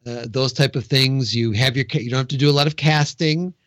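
A man hosting a casual podcast, talking conversationally with quick jokey asides. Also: medium pitch, fairly even intonation, a bit bright, no room sound. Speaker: podcast host. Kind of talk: casual chat.

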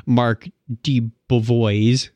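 A man's voice: medium pitch, little pitch movement, extremely slow, a little mellow, no echo, muffled recording. A man co-hosting a casual podcast, reading news items with a playful, laughing delivery. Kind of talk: casual chat.

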